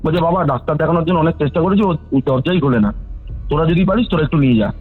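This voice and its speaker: A man's voice: on the high side, very fast. Male caller, 30s, narrates a personal account over a phone-like line, restarts often. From West Bengal, India. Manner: rambling, self-correcting, quotes others. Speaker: caller telling a ghost story. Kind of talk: phone-call storytelling. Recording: phone-line recording with faint music.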